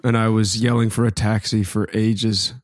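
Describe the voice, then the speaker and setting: Hoarse rambling man, dry podcast sound. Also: lowish voice, level tone, normal speed, dry recording. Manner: rambling, tangents full of fillers. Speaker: comedian co-host. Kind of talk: casual comedic banter.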